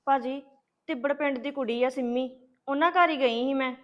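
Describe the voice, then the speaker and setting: A woman's voice: high-pitched, normal speed, lo-fi sound, lightly acted. A woman playing a defensive young sister. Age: young adult. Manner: defensive, explaining, hurt.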